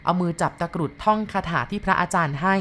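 A woman's voice: lowish voice, fast, fairly bright tone, slight background noise. A woman narrating a ghost story to her listeners in a polite, storytelling manner.

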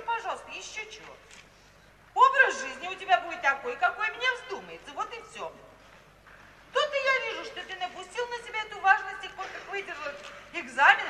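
A woman's voice: very high-pitched, bright, forceful tone, heavily acted. An actress playing an overbearing middle-aged mother who scolds and commands in an imperious manner, in a 1950s radio play. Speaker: domineering mother. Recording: echoey distant old radio play recording with hiss.

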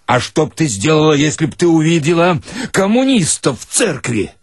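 Blustering small-town chairman, acted by a male reader, interrogating and pompous, husky, highly animated radio storytelling. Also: normal speed, no echo, clean studio sound, exaggerated voice. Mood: rapid grilling. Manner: needling, blustering. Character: brash provincial chairman interrogating a sideshow mummy. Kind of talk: dramatic story reading.

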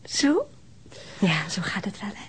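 An actress playing an anxious, tender wife in a radio drama, her voice husky and breathy. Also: mid-range voice, wildly swooping pitch, a little slow, in a whisper, full character voice. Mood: worried, tender. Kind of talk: intimate radio drama acting.

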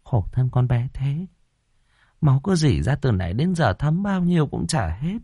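A man's voice: mid-range voice, big pitch swings, moderate pace, mellow, breathy edge, dry recording, studio quality, pitched above the performer's own voice. A man voicing a pale middle-aged village woman who sighs with pity. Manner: sighing, pitying.

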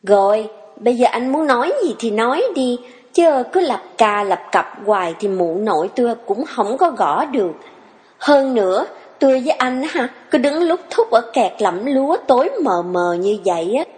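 A woman's voice: a little high, lively intonation, a little mellow, in a large hall, lightly acted. Woman voicing a sassy young farm girl. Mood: teasing. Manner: sassy, quick retorts. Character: young woman farmhand, pert and teasing.

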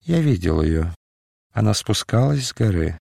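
A man voicing a mysterious, calm eastern stranger who speaks in riddles with quiet mockery. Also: on the low side, moderate pace, vocal fry, dry recording, studio quality, heavily acted. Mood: calm, knowing. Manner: calm, mocking, detached.

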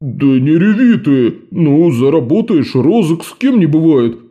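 A man's voice: a little high, very animated, unhurried, dark tone, muffled recording, pitched above the performer's own voice. A man voicing a fussy, indignant portly middle-aged clerk in an audiobook. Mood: grumbling. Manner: blustering, huffy.

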